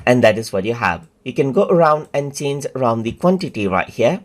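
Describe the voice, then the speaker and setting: A man walking viewers step by step through a software tutorial, casual and repetitive, with fillers. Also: medium pitch, very animated, brisk, a little hiss or hum. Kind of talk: screen-recorded tutorial narration.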